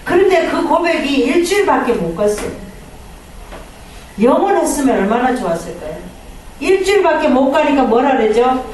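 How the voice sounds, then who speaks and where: A woman pastor preaching a sermon, animated, acting out quoted prayers and complaints. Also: high voice, normal speed, slight background noise. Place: church sanctuary. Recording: echoey hall from far off.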